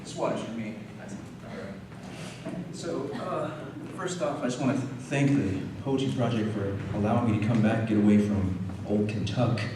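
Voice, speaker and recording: A man's voice: lowish voice, a little slow. A man, a poet from Arizona, chatting casually with an audience and then reading his poems aloud at a live reading. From Arizona, United States. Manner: relaxed chatty asides, animated when reading. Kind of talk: poetry reading. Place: poetry reading venue. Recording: roomy hall from a distance, faint noise.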